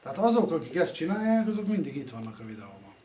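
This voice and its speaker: A man's voice: fairly high pitch, sing-song. Rambling man in an echoey workshop. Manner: rambling, self-deprecating, trailing off softly at phrase ends. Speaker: computer repair vlogger. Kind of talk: casual workshop vlog. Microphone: phone camera. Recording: echoey workshop room, faint ambience.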